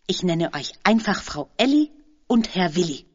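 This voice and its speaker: A woman's voice: fairly low pitch, very animated, moderate pace, a little mellow, slightly rough, lo-fi sound. A woman voicing a cheerful young boy skateboarder who talks eagerly and uses youth slang, in a storybook reading.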